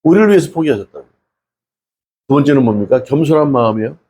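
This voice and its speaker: Husky-voiced male pastor preaching. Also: medium pitch, quick pace. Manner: lively, asks the congregation many rhetorical questions; acts out quoted people in a casual spoken tone. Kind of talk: conversational sermon.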